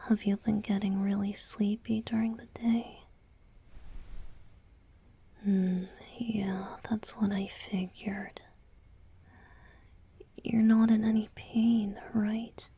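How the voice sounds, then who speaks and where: A woman playing a gentle, doting young male vampire boyfriend in a romantic ASMR roleplay, speaking softly and tenderly, mostly in a breathy whisper. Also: medium pitch, little pitch movement, slow pace, long pauses, heavily acted. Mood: gentle concern. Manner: tender, attentive, softly reassuring.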